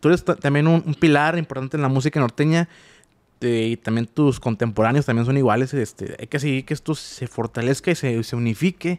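The man talks fairly quickly, and the background is quiet. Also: ordinary pitch variation. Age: 30s. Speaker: podcast interviewer. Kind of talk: interview, casual chat. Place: studio. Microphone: studio mic.

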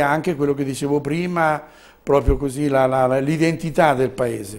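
Speaking at a very slow pace, a man uses fairly high pitch with ordinary pitch variation. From Marche. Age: 60s. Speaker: mayor. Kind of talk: TV interview. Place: studio. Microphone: lapel.

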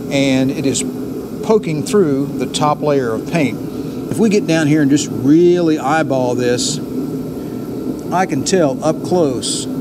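Amid loud background noise, a man talks at a very slow pace with long, frequent pauses. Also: ordinary pitch variation. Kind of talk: tutorial. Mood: relaxed, curious. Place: garage.

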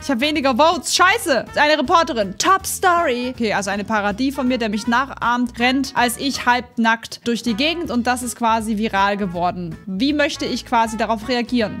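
Faint music plays in the background as a woman talks at a high pitch and a moderate pace with hardly any pauses. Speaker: streamer. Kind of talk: casual gameplay commentary. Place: home room. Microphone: studio mic.

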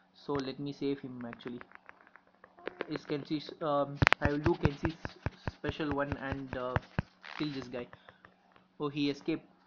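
A man talks at a fairly high pitch in a monotone, flat intonation, with long, frequent pauses. Noticeable background noise runs behind him. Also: moderate pace. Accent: Indian. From India. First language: not English. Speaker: mobile gaming YouTuber. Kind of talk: gameplay commentary. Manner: halting.

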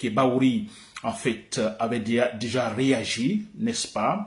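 Against a quiet background, a man speaks at a very slow pace in a somewhat breathy voice. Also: lively intonation. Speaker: political commentator. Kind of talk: commentary.

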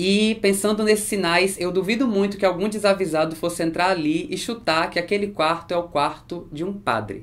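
A man with a Brazilian accent speaks at a high pitch and a fairly quick pace, with ordinary pitch variation. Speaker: interviewer, video channel host. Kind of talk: casual interview conversation.

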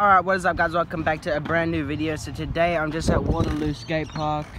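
Loud background noise surrounds a man speaking at a fairly quick pace, his voice dry with no echo. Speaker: vlogger. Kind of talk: casual vlog chat. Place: street. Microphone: phone near.

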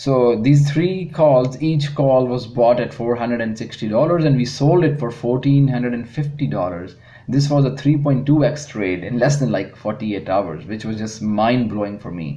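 Somewhat breathy and very slow, a man speaks in a dark, mellow tone with ordinary pitch variation. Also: medium pitch for a man, hardly any pauses. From Pakistan. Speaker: retail trader giving testimonial. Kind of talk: testimonial walkthrough of a screen demo.

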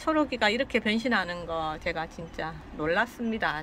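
Against light background noise, a woman speaks at a fairly slow pace with lively intonation. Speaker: succulent gardening YouTuber. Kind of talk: casual gardening vlog narration. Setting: at an open veranda window at home. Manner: friendly, frequent laughs and fillers. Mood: warm, pleased. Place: home room. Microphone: phone near.

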